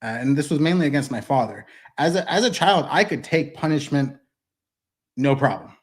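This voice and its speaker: Fairly high-pitched and animated, this man in his thirties speaks at a moderate pace. As a guest in a casual interview, he's blunt, emphatic, and freely profane, captured at a desk mic inside a wood-paneled studio.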